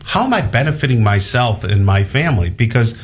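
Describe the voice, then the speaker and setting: A man's voice: mid-range voice, big pitch swings, a little fast, a little hiss or hum. A male co-host interviewing a guest, often affirming and interjecting. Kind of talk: interview conversation.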